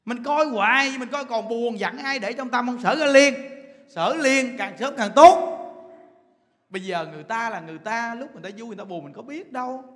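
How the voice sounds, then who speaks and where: A man's voice: very high-pitched, animated, brisk, fairly bright tone, long reverb tail. A man with a Southern Vietnamese accent giving a Buddhist dharma talk, firing rhetorical questions at the audience, chuckling and drawing out words for emphasis. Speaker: Buddhist preacher. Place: temple hall.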